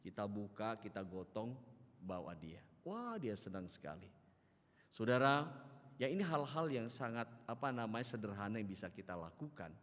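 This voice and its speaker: A man preaching a sermon as pastor, telling stories in an animated way and acting out the characters. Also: lowish voice, normal speed. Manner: animated storytelling, acts out characters. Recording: reverberant church hall.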